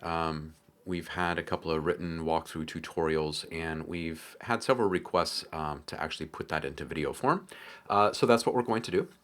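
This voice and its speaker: Deep-voiced man hosting a tutorial. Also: a bit bright. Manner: informal, hesitant, filler-heavy explaining. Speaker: tutorial host. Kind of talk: casual screen-recorded software tutorial.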